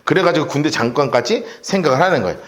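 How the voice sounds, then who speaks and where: Give me a man telling a Bible story to a class, fairly high voice, lively, with a roomy echo. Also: fast talker. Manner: animated storytelling with vivid asides. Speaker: Bible teacher. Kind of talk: Bible study lecture. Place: church room.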